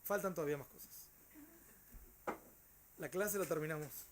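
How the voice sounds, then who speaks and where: A male teacher with a Rioplatense Spanish accent tells his class a story, animated and sprinkled with hesitant fillers. His voice is a little high and his pace moderate.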